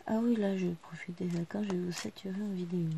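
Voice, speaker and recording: A woman's voice: on the low side, steady tone, quick pace, gravelly, slight background noise. A woman in her thirties, a vlogger chatting casually to the camera while she works on a craft at home. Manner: chatty, talking quietly to the camera while working. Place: living room at home.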